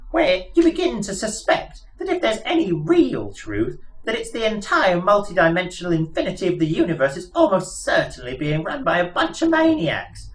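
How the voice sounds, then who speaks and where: A man's voice: high voice, pitched above the performer's own voice, poor audio. A man voicing a small, scheming mouse in a storybook reading, piping, polite and coolly ruthless. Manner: polite, wheedling, businesslike.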